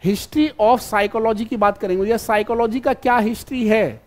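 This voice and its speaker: Speaking at a moderate pace, with a high voice and steady tone, a man leads a live online exam-prep class. He is fatherly and repetitive, keeps calling students "beta," and checks again and again whether they follow.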